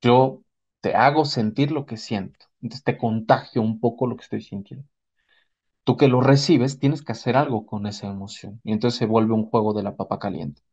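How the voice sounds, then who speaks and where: A psychotherapist with a Mexican accent gives a parenting talk, explaining step by step and acting out examples. His relaxed, warm, husky voice sits at an average male pitch and moves at normal speed. He teaches didactically, often checking in with rhetorical questions, and the audio is a little dull.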